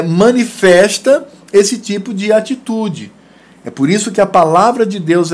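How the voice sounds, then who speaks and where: A Brazilian man, a pastor, giving a children's sermon in a patient, explaining way. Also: on the high side.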